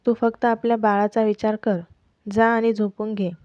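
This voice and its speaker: A woman's voice: on the high side, little pitch movement, normal speed, clean tone, dry recording, close to an everyday voice. A woman voicing a stern, worried mother-in-law who scolds her daughter-in-law curtly. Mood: scolding. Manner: scolding, curt. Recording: dull lo-fi, dry close mic.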